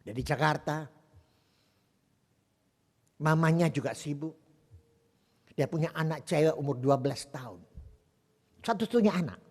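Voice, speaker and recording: A male pastor preaching a sermon, telling a story dramatically and swinging between hushed and loud. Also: fairly high pitch, unhurried, pauses often, in a large hall.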